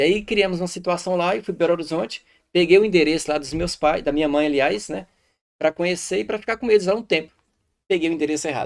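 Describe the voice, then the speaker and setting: On a very clean recording with a silent background, a high-pitched man with a slight Bahian accent speaks at a very fast pace with ordinary pitch variation. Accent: slight Bahia-like. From Brazil, Salto da Divisa, Minas Gerais near Bahia. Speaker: entrepreneur. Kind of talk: podcast interview, life story.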